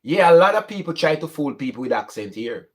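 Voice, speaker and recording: A young man speaks with a strong Jamaican accent in a relaxed vlog monologue. He drifts between standard English and patois as he talks. His voice sits a little higher than most men's. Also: a little fast. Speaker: channel host.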